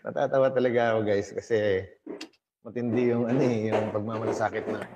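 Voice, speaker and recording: A man's voice: fairly low pitch, fairly even intonation, quick pace, heavy background noise. A man hosting a casual gossip vlog, reading posts aloud and laughing often.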